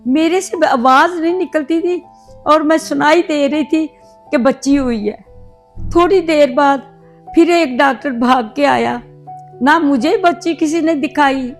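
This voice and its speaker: A woman's voice: sits high, unhurried. Emotional older woman. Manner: heartfelt, reliving painful memories. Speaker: interviewee telling her life story. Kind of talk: emotional personal storytelling. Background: soft background music.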